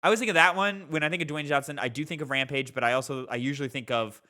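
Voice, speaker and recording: A man's voice: fairly high pitch, racing, sharp tone. A man co-hosting a podcast, talking casually and emphatically with some swearing as he plays a movie quiz. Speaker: podcast co-host and quiz contestant.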